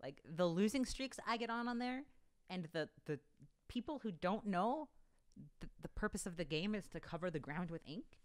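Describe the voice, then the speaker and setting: A young adult woman co-hosting a podcast at home, talking in a rambling, animated way full of fillers, close to a desk mic. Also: on the low side, normal speed. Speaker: podcast co-host. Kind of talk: casual chat. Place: home studio room with bookshelves. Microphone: desk broadcast mic on boom arm.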